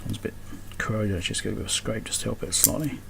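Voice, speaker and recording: A man's voice: on the low side, racing. A man giving casual hands-on commentary, muttering to himself as he works at a bench indoors. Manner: muttering to himself while working. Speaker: electronics repair video host. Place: indoor electronics workbench. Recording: clearly noisy workbench recording.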